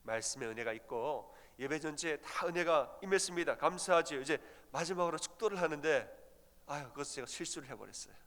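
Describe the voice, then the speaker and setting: A man's voice: a little high, fairly bright tone, in a large hall. A middle-aged man preaching an early-morning sermon as pastor, telling stories and acting out the voices he quotes.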